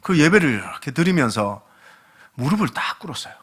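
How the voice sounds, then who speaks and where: A pastor in his late forties preaching a sermon, his voice swinging widely up and down as he tells stories. He is animated and humorous, slipping into other people's voices as he talks. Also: fairly high pitch, a little fast, husky. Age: late 40s. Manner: animated, humorous storytelling that acts out quoted dialogue. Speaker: guest pastor.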